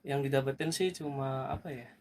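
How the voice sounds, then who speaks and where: A man's voice: mid-range voice, steady tone, fairly quick, a little mellow, slight background noise. A young man from Central Java, a first-year student guest who talks in a joking, laid-back way. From Pati, Central Java, Indonesia. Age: young adult. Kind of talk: casual chat.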